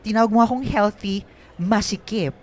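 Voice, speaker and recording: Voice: medium pitch, moderate pace, natural voice. A performer with a Filipino accent playing a flamboyant, bossy young gay man in a radio drama, sassy and campy with affectionate teasing.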